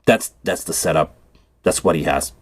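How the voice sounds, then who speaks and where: This man has a bass voice and talks at a moderate pace, recorded without echo. A native French speaker with a Quebec accent, he hosts a laid-back tech livestream, rambling and thinking out loud as he works on a cable build.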